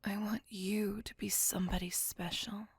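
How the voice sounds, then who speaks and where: A woman voicing a possessive, devoted female vampire on a date, speaking in a soft, close, apologetic and doting whisper. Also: mid-range voice, level tone, moderate pace, gravelly, husky, dry recording. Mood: tender whisper. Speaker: voice actor. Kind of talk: ASMR roleplay whispering.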